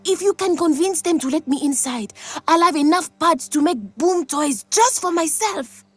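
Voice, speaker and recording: An actress voicing a manic, cheerful young woman in a video game, excitable and giggly, with a gleeful passion for explosives. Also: very high-pitched, normal speed, dry recording. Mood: chatty, earnest. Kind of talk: video game character acting.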